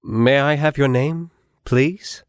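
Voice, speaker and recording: A man voicing a gentle, polite young prince in a children's story. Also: medium pitch, takes it slowly, smooth, dry recording, clean studio sound, natural voice.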